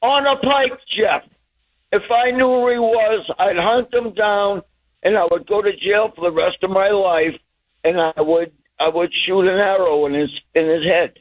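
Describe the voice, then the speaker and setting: A man in his sixties rants heatedly over a tinny phone line. His voice sits high for a man, and he speaks at an unhurried, drawn-out pace. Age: 60s. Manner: heated, ranting. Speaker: caller. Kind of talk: call-in radio rant.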